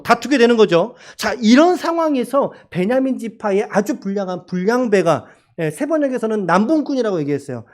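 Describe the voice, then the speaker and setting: A man's voice: high-pitched, a little mellow. A man preaching a sermon as a pastor in a church, asking the congregation questions and crying out quoted lines dramatically. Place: church sanctuary.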